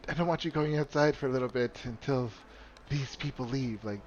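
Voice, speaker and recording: A man's voice: medium pitch, fairly quick, muffled recording, natural voice. A man putting on a scolding, harried mother. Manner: scolding, exasperated. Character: stern harried mother of two, woman.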